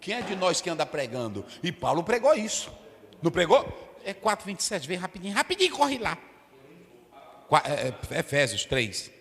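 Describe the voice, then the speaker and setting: A man with a Brazilian Portuguese accent, a pastor teaching a Sunday school class in an emphatic preaching style, dropping to a hush and then rising to a shout, acting out what people say, recorded in a church hall. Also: high-pitched, very animated, normal speed. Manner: emphatic, swings from hushed to shouting, acts out quotes. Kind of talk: fiery preaching lesson.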